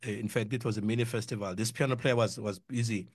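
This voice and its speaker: A man's voice: on the low side, steady tone, fast talker, dry recording, studio quality. A middle-aged man with a South African accent hosting a casual radio music interview, rambling and repeating words for emphasis. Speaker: community radio music show host.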